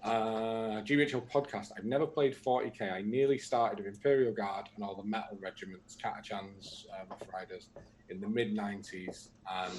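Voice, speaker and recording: A man chats easily on a livestream and reads viewer comments aloud, adding his own asides. His voice sits on the low side. A faint hiss of room noise runs underneath. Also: steady tone, moderate pace, darkish tone, low-quality recording. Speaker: co-host reading viewer comments. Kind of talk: casual livestream chat.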